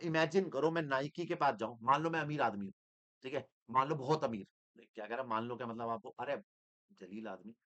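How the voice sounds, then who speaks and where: Animated male accounting teacher. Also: medium pitch, fairly quick. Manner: animated, teasing, mixes Hindi with English terms. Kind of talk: energetic classroom lecture.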